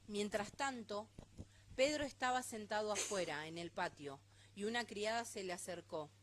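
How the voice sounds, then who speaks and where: A woman reading a Bible passage aloud in a steady, measured way during a church service. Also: medium pitch, slight background noise. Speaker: scripture reader.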